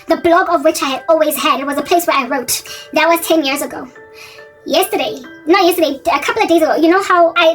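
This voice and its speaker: South African woman, 40s, high voice, rambling vlog talk, distant mic, faint music underneath. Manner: rambling, often correcting and repeating herself. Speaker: faith vlogger. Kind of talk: casual talking-head monologue.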